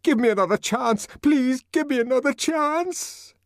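A man's voice: very animated, normal speed, darkish tone, dry recording, studio quality. A man voicing a hysterical young man who begs and sobs in frantic panic. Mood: panicked pleading. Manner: shrill, sobbing, frantic begging.

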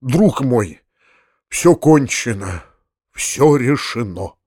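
A man voicing an excitable middle-aged landowner uncle, a former cavalry officer, who swings from heartfelt pleading to shouted orders. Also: medium pitch, moderate pace, no room sound, clean studio sound, lightly acted. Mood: tragic hush. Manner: emotional, bursts into furious shouted orders.

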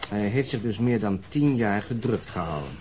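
A man's voice: fairly low pitch, expressive, normal speed, a crowd in the background, natural voice. An actor in a Dutch radio drama playing a sober, grim male police detective who speaks in a terse, grave way.

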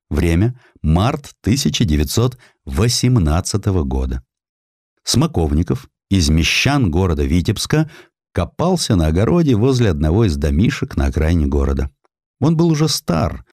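Deep-voiced man, dramatic historical narration. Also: mellow, no room sound, studio quality. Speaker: audiobook narrator.

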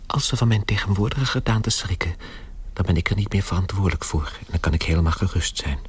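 A man's voice: sits low, breathy edge. An actor playing an anxious young salesman turned beetle in a radio play, earnest and self-justifying. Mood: anxious resolve.

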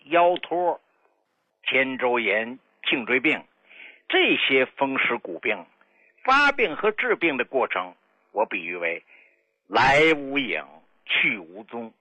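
A man's voice: medium pitch, wildly swooping pitch, slow, dry recording. An older man, a traditional medicine doctor telling a patient's story on a radio health show in a folksy, dramatic way. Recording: dull lo-fi radio broadcast.

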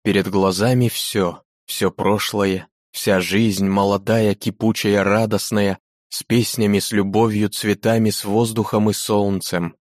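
A man's voice: lowish voice, level tone, a little slow, no echo, clean studio sound. A man reading a dramatic novel aloud in a grave, theatrical manner. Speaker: audiobook narrator.

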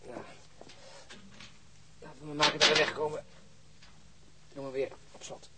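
An actor playing a low-key, wary detective in a radio drama, speaking in a subdued, matter-of-fact mutter. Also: male voice, flat delivery, unhurried, very noisy, natural voice. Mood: uneasy, reluctant. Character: low-key, wary male police detective searching a flat.

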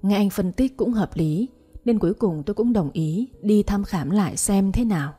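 A woman narrates a first-person story in a soft, reflective reading. Her voice is mellow and dark-toned, with a breathy, husky texture. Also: mid-range voice, moderate pace, soft background music.

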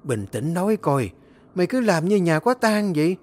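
A man doing an impatient sharp-tongued mistress. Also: high-pitched, very animated, normal speed, pitched above the performer's own voice. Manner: scolding, impatient.

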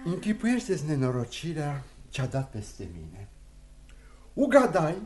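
A woman's voice: sits low, sing-song, darkish tone, slight background noise. A woman playing a nervous, hypochondriac young landowner who stammers and protests in a read-through of a stage play. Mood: mournful. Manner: flustered, stammering, quick to protest.

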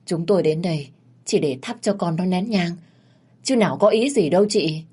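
A woman narrator voicing a scheming older mother-in-law who wails and pleads in a husky low voice. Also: normal speed, warm tone. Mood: pleading. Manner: wailing, pleading, fawning.

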